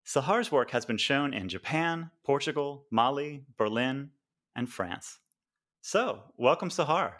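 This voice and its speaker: An American man hosts a relaxed podcast conversation. He is friendly, laughs easily and sometimes stumbles over his words with fillers. His voice sits at an ordinary middle pitch. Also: measured pace. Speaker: podcast host. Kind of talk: casual interview chat.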